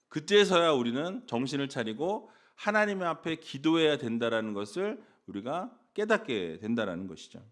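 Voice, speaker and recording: A male pastor preaching a sermon, asking the congregation rhetorical questions, joking with them, and now and then bursting into shouts. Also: a little high. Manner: jokes with a sleepy congregation.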